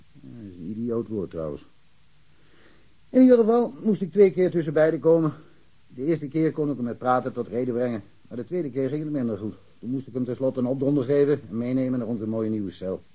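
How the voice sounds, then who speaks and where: A man's voice: medium pitch, animated, fairly quick, warm tone, muffled recording, lightly acted. An actor playing a talkative, blunt village policeman who speaks colloquially and with confidence in a naturalistic radio drama. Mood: wry, knowing. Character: chatty, blunt village policeman, worldly-wise and sure of himself.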